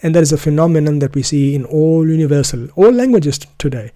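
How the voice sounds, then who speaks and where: A man whose first language is Urdu gives an earnest, deliberate solo talk about his method of study, often restarting phrases to stress a point. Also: on the high side, dark tone, no echo, clean studio sound. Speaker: Quran student presenting his method.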